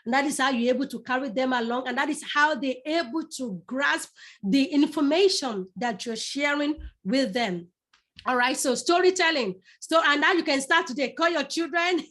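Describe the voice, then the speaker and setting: A middle-aged woman from Nigeria with a Yoruba accent leads a public speaking masterclass, talking straight to her audience. Her voice sits high, and she stresses her points by repeating words several times over. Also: moderate pace, a bit bright. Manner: repeats words for emphasis, addresses the audience directly. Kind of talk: live online masterclass.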